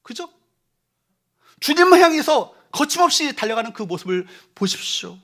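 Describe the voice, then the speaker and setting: A male pastor with an extremely high voice and big pitch swings preaches at a moderate pace, his tone a bit bright. During this emphatic Sunday sermon in the church sanctuary, he throws rhetorical questions to the congregation and leads them in reading verses aloud.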